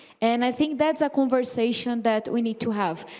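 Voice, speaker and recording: Against noticeable background noise, a woman with a Brazilian Portuguese accent speaks at a high pitch. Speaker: politician. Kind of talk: panel discussion.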